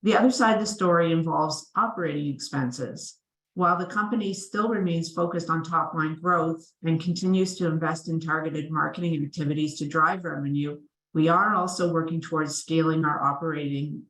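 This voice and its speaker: A woman's voice: deep voice, a bit bright. Echoey woman presenting company financial results. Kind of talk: prepared financial presentation on an earnings call. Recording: roomy, echoing sound.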